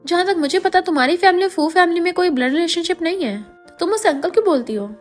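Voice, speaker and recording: A woman's voice: very high voice, animated, quick pace, soft background music. Feisty indignant young wife, voiced by a woman. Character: feisty young wife, former college student, quick to argue.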